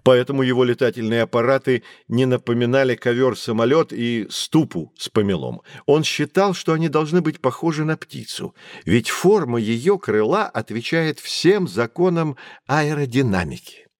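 A man playing a patient professor who explains things calmly to children in an audio drama. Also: medium pitch, moderate pace, no room sound, close to an everyday voice. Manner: calm, lecturing explanations. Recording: dry studio recording.

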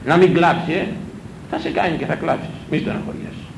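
A man's voice: sing-song, creaky. Emphatic male preacher in echoey room. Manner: emphatic, repetitive exhortation; scolding, rhetorical questions. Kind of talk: sermon. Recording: echoey room with low rumble.

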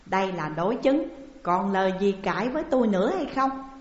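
A woman voicing a stern, angry old lord scolding his family, slow and weighty, in a muffled, echoing recording. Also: mid-range voice, animated, close to an everyday voice. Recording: muffled, roomy with long reverb.

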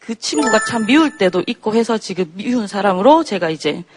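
A woman's voice: mid-range voice, animated, fairly quick, music in the background. Chatty woman with a Gyeongsang accent. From Geochang, South Gyeongsang, Korea. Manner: chatty, laughing while telling stories. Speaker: audience member. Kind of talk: casual storytelling.

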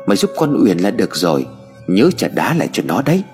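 A man's voice: lowish voice, huge pitch swings, fast talker. A man voicing a curt, rude ghostly girl in an audio story. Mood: gruff. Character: gruff ghostly girl in blue, curt and cold. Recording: hall reverb with music bed.

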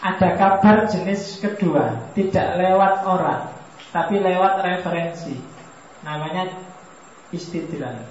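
A man teaches in a mosque hall, keeping the talk loose and joking and turning questions back to the listeners. His voice sits a little high and reaches the mic from a distance. Strong hall echo and a faint hiss hang around every word. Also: slow pace, muffled recording. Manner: relaxed, joking, questions the audience. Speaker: philosophy lecturer. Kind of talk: religious study lecture.

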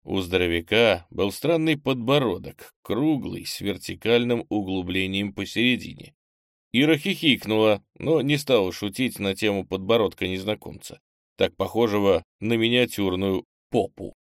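A man narrating an audiobook in a fairly low voice with a gravelly edge. He reads in an even, measured way, and the recording is dry and close. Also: no echo.

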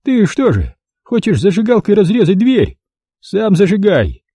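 A male narrator voicing a whiny male thug with a thin, bleating, squeaky voice. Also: huge pitch swings, measured pace, dark tone, slightly rough, no echo, clean studio sound, exaggerated voice. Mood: whining. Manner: whiny, needling.

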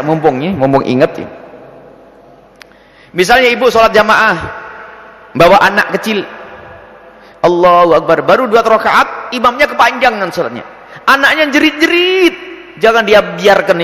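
A man preaching and answering religious questions in a lively, animated way, acting out little scenes as he explains. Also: in a large hall. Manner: lively, animated, acts out scenes with sudden pitch jumps. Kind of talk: religious Q&A lecture.

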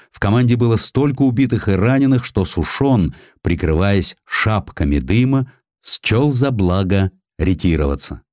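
Deep-voiced, animated male audiobook narrator. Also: dry recording, studio quality. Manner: expressive, theatrical storytelling. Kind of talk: dramatic scripted narration of historical essay.

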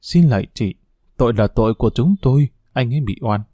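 A frightened prisoner pleads in a hushed voice, weighed down by guilt, as a male narrator reads him. The tone is dark and mellow, recorded dry and close. It is an audiobook story. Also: medium pitch, expressive, brisk, dry recording, lightly acted. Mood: hushed pleading. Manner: hushed, whispering plea.

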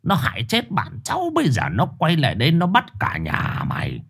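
A man voicing a sly old male shaman who lectures sternly and insists with a husky voice. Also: medium pitch, wildly swooping pitch, brisk, fairly bright tone, pitched above the performer's own voice, exaggerated voice. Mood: stern accusing.

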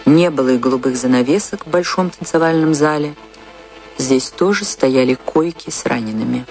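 An actress playing a famous dancer who recalls her tragic life in a measured, impassioned and sorrowful radio monologue with dramatic pauses. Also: extremely low pitch, a little mellow, soft background music. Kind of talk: dramatic first-person radio play monologue.

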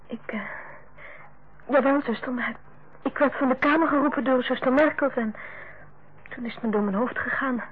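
An actress playing a young, put-upon nurse with a wry streak in a Dutch radio play. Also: female voice, sits high, normal speed, pauses often, breathy edge, narrow, tinny audio. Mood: meek, cowed. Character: young female nurse, put-upon, wry, grumbling about her superior. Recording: thin, noisy old radio recording.

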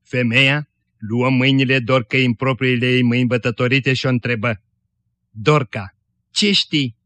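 A man hosting a Christian radio program, reading a story aloud in a solemn, measured way. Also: medium pitch, little pitch movement, fairly bright tone. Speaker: radio program host and reader.

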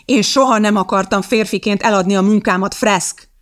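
A woman's voice: medium pitch, creaky, natural voice. Woman reading as a furious female chemist. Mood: angry. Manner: angry, shouting. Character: fierce female chemist, proud and blunt.

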